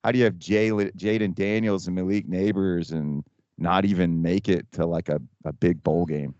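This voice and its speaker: Deep-voiced wry male sports guest. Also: fairly even intonation, moderate pace, a little mellow, no room sound. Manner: wry, blunt, swears. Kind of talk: casual sports chat. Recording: dry, dull lo-fi audio.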